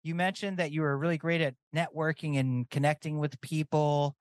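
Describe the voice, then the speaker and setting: Guy hosting a podcast, high voice, peppy and upbeat. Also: moderate pace, no echo. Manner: upbeat, energetic. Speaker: podcast host. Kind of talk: podcast intro and interview.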